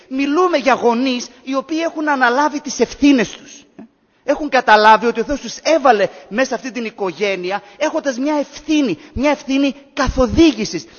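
Husky, high-voiced male preacher in a hall. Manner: storytelling, rising emphatic then dropping to hushed. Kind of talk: sermon. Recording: echoey hall, dull lo-fi sound.

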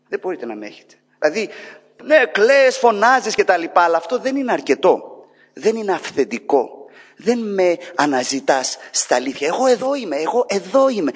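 Man, preacher, dramatic sermon, somewhat high voice, long hall reverb. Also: breathy edge.

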